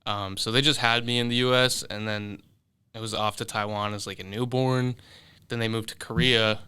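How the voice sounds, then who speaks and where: Young man with a bright, clear voice. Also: on the low side, normal speed. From London. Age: 20s. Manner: relaxed, hesitant, many fillers and restarts. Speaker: guest musician. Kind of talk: casual interview answers. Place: studio.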